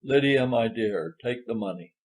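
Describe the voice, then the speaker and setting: A man's voice: medium pitch, moderate pace, darkish tone, slightly rough, lightly acted. Man playing a courtly, sentimental old major. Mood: moved, dignified. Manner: formal, courtly. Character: courtly, sentimental Southern major, dignified older gentleman.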